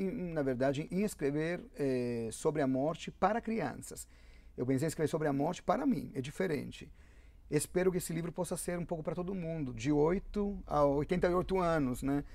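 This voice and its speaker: A man's voice: on the high side, gravelly, dark tone, no room sound. A man in his fifties with an Italian accent, a guest author talking in a musing way and often restarting his sentences. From Italy. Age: 50s. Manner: musing, with frequent restarts and fillers. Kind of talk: reflective interview talk.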